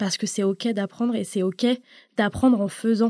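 In a very clean recording with a silent background and a dry, close sound free of echo, a woman talks at a moderate pace with fairly high pitch, a dark, mellow tone and fairly even intonation. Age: 20s. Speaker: community coordinator at an association. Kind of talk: round-table discussion. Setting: studio.

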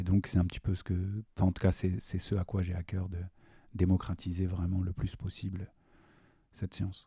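A very deep, low male voice, dark, mellow, and somewhat breathy, with monotone, flat intonation at a moderate pace. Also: very clean recording, silent background. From Paris, France. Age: 30s. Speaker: psychotherapist and former boxer. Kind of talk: interview.

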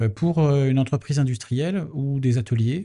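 Somewhat breathy and dark, mellow in tone, a man's voice shows ordinary pitch variation. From Paris suburbs, France. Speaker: commercial real estate executive. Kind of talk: interview. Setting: guest's office.

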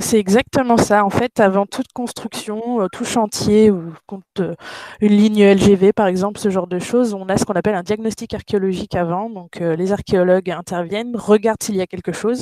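At a moderate pace, a woman speaks with a plain, everyday voice, medium in pitch and with fairly even intonation. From western France (Maine-et-Loire). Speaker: web developer, former archaeologist. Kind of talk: interview, casual. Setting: office.

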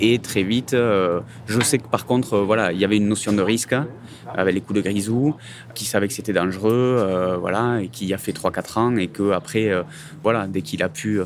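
A plain, everyday voice talks at a moderate speed with ordinary pitch variation. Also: man, fairly low pitch for a man. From Aveyron, southern France. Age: 30s. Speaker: miner's grandson. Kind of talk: interview.

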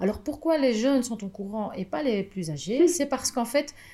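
A woman with a fairly high pitch, a dark, mellow tone and lively intonation. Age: 50s. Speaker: biologist and former pharma team manager, mentoring consultant. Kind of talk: interview.

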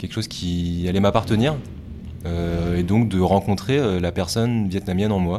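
A man's very deep, low voice against noticeable background noise. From France, Bordeaux area, Vietnamese parents. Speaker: interviewee, engineer. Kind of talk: personal testimony.

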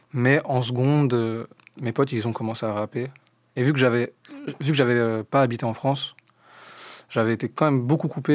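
A man with a medium-pitched voice speaks fairly quickly and with fairly even intonation, leaving long, frequent pauses, in a very clean recording with a silent background. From grew up abroad, Asia and Morocco. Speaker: rapper. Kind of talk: casual interview. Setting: studio.

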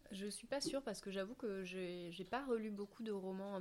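This woman has an unremarkable speaking voice with a medium pitch. She talks at a moderate pace with fairly even intonation. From Haute-Savoie, France. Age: 20s. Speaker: lawyer. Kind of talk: casual chat.

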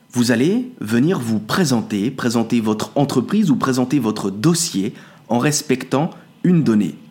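In a plain, everyday voice, a man of medium pitch speaks at a fairly slow pace with very even loudness. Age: 20s. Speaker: public speaking trainer. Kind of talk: scripted monologue. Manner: measured with deliberate pauses.

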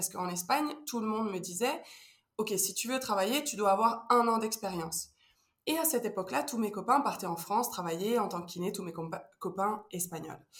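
A woman talks at a fairly quick pace with lively intonation and a medium pitch. Her voice is somewhat breathy. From Spain, Valencia region. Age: 30s. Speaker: physiotherapist. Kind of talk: casual interview.

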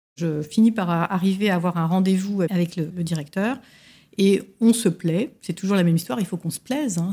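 A woman's medium-pitched, somewhat breathy voice with a dark, mellow tone, ordinary pitch variation and a moderate pace, on a very clean recording with a silent background. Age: 50s. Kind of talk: interview. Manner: halting, frequent repetitions.

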